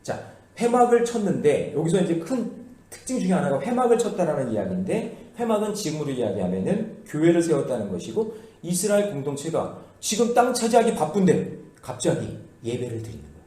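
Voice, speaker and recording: A man preaching a sermon as pastor, lively and playful, acting out the voices of the people he quotes. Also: a little high, a little fast. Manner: animated, acts out quoted voices in casual speech. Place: church sanctuary. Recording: echoey church hall.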